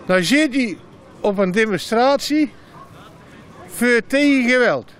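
High-pitched man, blunt market talk. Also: expressive, slow, a bit bright. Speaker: market vendor being interviewed. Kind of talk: casual, colloquial chat. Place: canvas market stall outdoors. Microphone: handheld interview microphone. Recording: market stall with faint noise.

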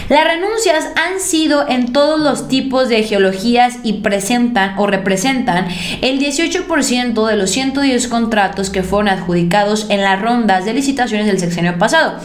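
Young Mexican-accented woman commentator, higher voice, punchy and sarcastic, echoey room. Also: normal speed. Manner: emphatic, sarcastic, animated pitch swings. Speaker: political commentator. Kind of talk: opinionated news commentary. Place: indoor room at a desk. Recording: roomy echo.

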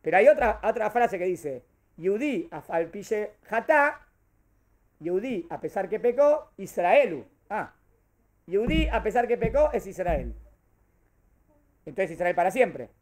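Man, high voice; teacher quizzing his students, lively and rhetorical. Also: unhurried, long pauses. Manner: questioning and animated, answers his own questions. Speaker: rabbi teaching a class. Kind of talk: Torah class to a group.

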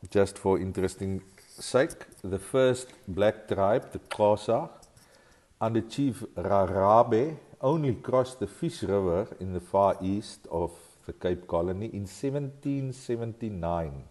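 A man in his sixties with an Afrikaans accent, a farmer speaking English as a second language in an earnest, deliberate vlog from his home study. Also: on the low side, darkish tone. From South Africa. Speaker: farmer vlogger. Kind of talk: talking-to-camera vlog. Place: home study with bookshelves, indoors.

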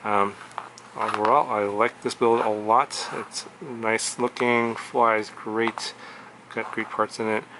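Low, flat-voiced man reviewing a build. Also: slow, a little hiss or hum. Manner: relaxed, rambling with many fillers and restarts. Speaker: drone review host. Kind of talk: casual hands-on product review. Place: indoor workshop desk.

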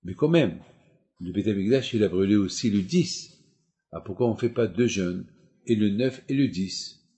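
Rabbi guy preaching, dark mellow voice, keeps repeating and asking where's the problem. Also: fairly low pitch, animated, moderate pace. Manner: repetitive, emphatic rhetorical questions. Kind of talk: sermon.

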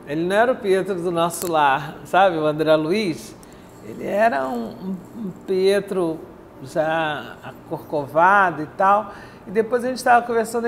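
A woman's voice: medium pitch, a little hiss or hum. An older woman interviewing a guest in a TV studio, recounting anecdotes at length with repeated phrases, recorded on a lapel mic. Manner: anecdotal, drawn-out storytelling with repeats. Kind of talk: casual studio interview chat. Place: bright indoor TV studio, seated.

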